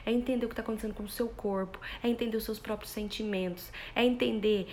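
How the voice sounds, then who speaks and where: A woman's voice: fairly high pitch, steady tone, fast talker, a little mellow. Lady parenting educator on a phone live, explains w everyday examples, keeps asking if ppl follow, bit of faint noise behind. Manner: explains with everyday examples, checks in with listeners often. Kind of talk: live social media talk to parents.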